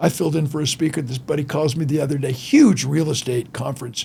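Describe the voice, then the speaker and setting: Somewhat breathy male speech at a fairly quick pace. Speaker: motivational speaker. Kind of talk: interview. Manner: animated.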